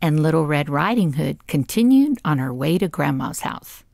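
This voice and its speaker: Low-pitched woman storyteller. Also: sing-song, normal speed, gravelly, a little mellow, dry recording, clean studio sound. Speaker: storybook narrator. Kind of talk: scripted children's narration.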